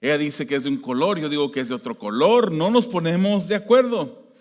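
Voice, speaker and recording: A man from the United States preaching a sermon as pastor, shifting between loud emphasis and quiet, hushed prayer. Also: a little high, a little fast. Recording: long hall reverb.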